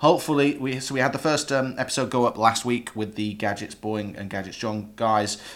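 A man talks at a fairly quick pace with ordinary pitch variation. His is a plain, everyday voice. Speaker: podcast host. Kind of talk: casual interview chat. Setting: host's living room, also live-streamed.

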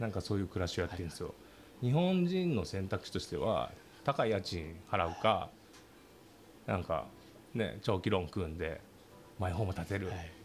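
A man with a fairly low pitch speaks in a somewhat breathy voice with ordinary pitch variation and long, frequent pauses. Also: moderate pace. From Hyogo, Japan. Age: 40s. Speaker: social company founder. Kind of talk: casual interview.

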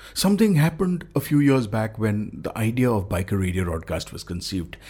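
A man's medium-pitched, somewhat breathy voice with a dark, mellow tone and very wide pitch swings, at a fairly quick pace on a very clean recording with a silent background. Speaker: podcast host. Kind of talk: scripted narration.

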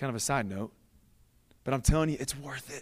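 A man speaks with a fairly high pitch. The recording is very clean, with a silent background. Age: 30s. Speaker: young adult pastor. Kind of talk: sermon. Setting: church service with live audience. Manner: animated.

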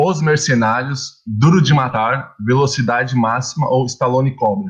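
A somewhat breathy man at medium pitch, with ordinary pitch variation, a fairly slow pace and very even loudness. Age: 20s. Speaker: IT business owner, quiz master. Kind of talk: casual chat, game hosting.

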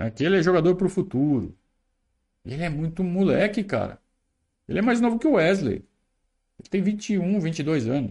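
A high-pitched man with a dark, mellow tone speaks at a moderate pace with lively intonation and long, frequent pauses. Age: 50s. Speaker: football commentator, live stream host. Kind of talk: casual live stream commentary on football news. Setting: live stream. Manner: repeats words, self-corrects.

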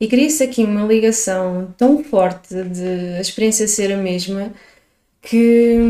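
A woman uses an ordinary speaking voice with a fairly high pitch and ordinary pitch variation. She talks at a fairly slow pace. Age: 20s. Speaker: physiotherapy student. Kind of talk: casual chat.

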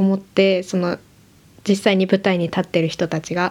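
At a medium pitch, the woman talks at a moderate pace. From Fukushima, Japan. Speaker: podcast co-host. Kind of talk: casual chat.

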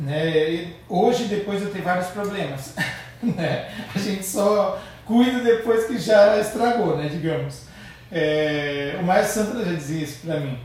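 Here a man speaks in a high voice with lively intonation. There is audible room echo and noticeable background noise. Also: fairly slow pace. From Santa Catarina, Brazil (Armazém). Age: 40s. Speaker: choir conductor. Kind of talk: casual interview.

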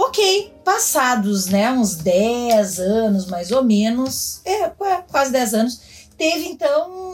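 Speaking at a very slow pace with a high pitch, a woman swings her pitch very widely while noticeable background noise plays behind her. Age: 40s. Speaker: teacher. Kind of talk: casual chat.

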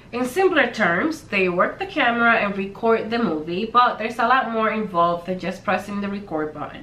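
Through noticeable background noise, a woman speaks at a moderate pace with ordinary pitch variation. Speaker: podcast host and filmmaker. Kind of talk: scripted intro. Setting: studio apartment in New York.

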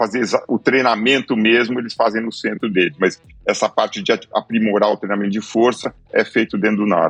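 At a fairly quick pace, a man with a normal speaking voice talks in a fairly low pitch with fairly even intonation, the sound dry and close with no echo. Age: 50s. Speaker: businessman and triathlete. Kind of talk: casual interview.

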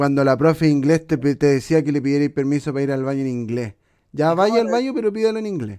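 Very fast and lively in intonation, a man with a Chilean accent speaks at a fairly high pitch in a dark, mellow tone. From Chile, Santiago. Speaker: podcast host. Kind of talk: casual chat. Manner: animated.

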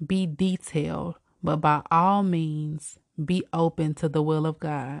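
The recording is very clean, with a silent background and a dry, close sound with no echo. A woman with a fairly low pitch speaks at a fairly slow pace with ordinary pitch variation. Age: 20s. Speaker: podcast host. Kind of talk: casual faith talk monologue.

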